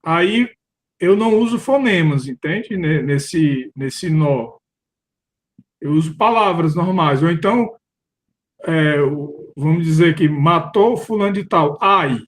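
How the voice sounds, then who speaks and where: Brazilian man, slightly high voice, unsure questioner who restarts words. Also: lively intonation, slow pace. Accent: Brazilian Portuguese. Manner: questioning, uncertain, restarts often. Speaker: philosophy study group participant. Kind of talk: casual discussion.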